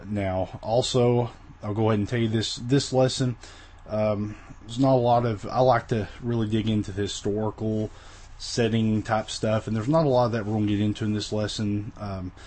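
A man with a lowish, husky voice teaching a recorded Bible lesson. He talks in a casual, rambling way, full of fillers and restarts. His voice sounds weak, as if he is getting over the flu. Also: steady tone, normal speed, a little mellow.

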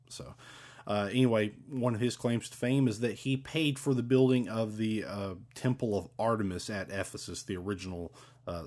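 A man's voice: on the low side, darkish tone. A man talking casually and eagerly, rambling with many fillers and restarts as he explains. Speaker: podcast host talking about ancient coins.

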